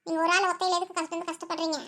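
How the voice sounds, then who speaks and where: A woman's voice: very high-pitched, little pitch movement, racing, pushed and bright. A woman voicing all the characters of a village family cartoon in chatty, fussing banter. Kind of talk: cartoon voice acting.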